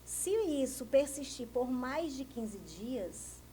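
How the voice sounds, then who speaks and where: A Brazilian woman with a somewhat high voice answers interview questions as a speech therapist. She explains things carefully and keeps posing questions she answers herself. A faint noise sits under her voice. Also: sing-song, slow pace, mellow. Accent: Brazilian Portuguese. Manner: didactic, asks and answers her own questions. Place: TV news studio.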